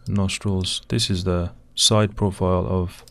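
A man with a croaky voice, talking slowly and hesitantly as he steps through video footage, pausing often with fillers. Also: low-pitched, flat delivery. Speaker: video host analysing footage. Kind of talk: slow screen-recorded commentary.

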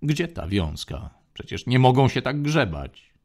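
A man's voice: medium pitch, sing-song, measured pace, darkish tone, pitched above the performer's own voice. A man voicing a cocky, wry male general in a spoken space story. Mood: urgent.

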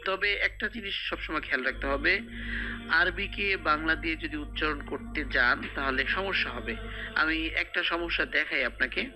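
A man teaching Quran reading in a recorded lesson, patiently explaining each sound step by step and repeating it slowly. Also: on the high side, over music, low-quality recording.

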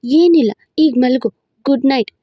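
A woman voicing a sweet young wife who scolds her husband gently and with affection. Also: sits high, unhurried, no room sound, dull audio. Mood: playful. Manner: soft, lightly raised, affectionate scolding. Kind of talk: storybook narration with voiced roles.

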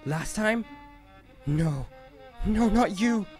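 Casting: man as bewildered, fearful priest, slow hesitant delivery, radio drama, soft music bed. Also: high voice, expressive, full character voice. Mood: frightened, disbelieving. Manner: hesitant, stammering. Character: frightened, confused priest doubting his visions. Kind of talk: audio drama acting.

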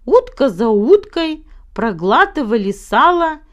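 Woman storyteller, slow and very animated. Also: on the high side. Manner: expressive, deliberate phrasing with dramatic pauses. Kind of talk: scripted children's fairy tale narration.

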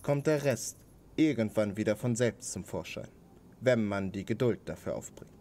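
A man's voice: lowish voice, moderate pace, dark tone, natural voice. An actor playing a firm, know-it-all male police inspector in a radio play, authoritative and precise. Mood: matter-of-fact.

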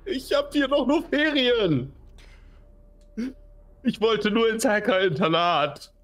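A wary teenage boy, played by a man at a tabletop game, questions everything nervously in a high voice that leaps up and down. He sounds confused and on guard. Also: animated, slow pace, a bit bright, exaggerated voice.

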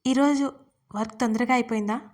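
A woman voicing a caring young husband who speaks calmly and teases gently. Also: very high voice, a little fast. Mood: caring, teasing.

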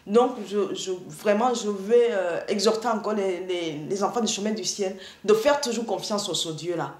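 A middle-aged woman from Rwanda gives her church testimony over a video call, earnest and halting, often restarting her sentences. Her voice sits at an ordinary pitch and rings in a noticeably echoey room. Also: darkish tone. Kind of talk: spoken testimony. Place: indoor room, seated in armchair.

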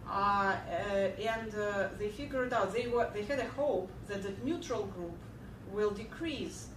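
In her 30s, this keynote lecturer speaks at a measured pace in a medium-pitched voice, fielding audience questions from a podium in a big lecture hall. Her delivery is earnest but cluttered with fillers and restarts, growing animated whenever she tells a joke. She sounds distant, surrounded by echo and a noticeable background hum.

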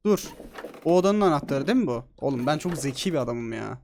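A man giving excitable, joking let's-play commentary on a horror game, swearing freely. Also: medium pitch, fast talker, creaky, slight background noise. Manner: excitable, swears a lot, jokey. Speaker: gaming streamer.

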